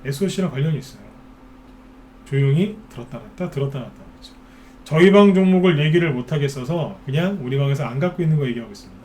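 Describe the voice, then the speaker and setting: His voice is a little high and slightly mellow, and he speaks fast and animatedly as host of a stock market broadcast. The expert keeps it casual, throwing out rhetorical questions and often playing the part of nervous investors, over slight background noise.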